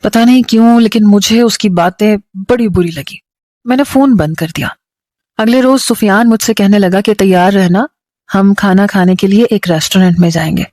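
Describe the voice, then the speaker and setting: A woman reading a first-person story aloud in an even, plain storytelling tone. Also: medium pitch, no room sound.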